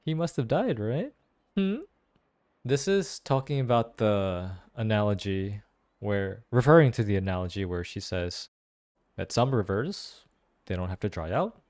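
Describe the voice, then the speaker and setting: A man's voice: lowish voice, measured pace, a little mellow. A man giving casual, musing playthrough commentary and analysis, repeating phrases for emphasis. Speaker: gaming streamer reacting to a story quest.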